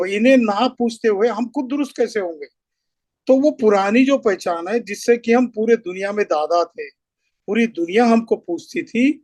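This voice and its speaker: High-pitched man, earnest lecturing speaker, dry close sound. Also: a little mellow, no echo. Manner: earnest, lecturing, builds points through lists. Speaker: speaker at a community meeting. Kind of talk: impassioned speech.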